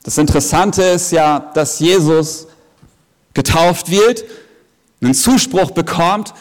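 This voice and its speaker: In a large hall at an evening service, a man preaches earnestly and emphatically, slipping in joking asides. His voice is on the high side and slow, with the long reverb of the big space around it.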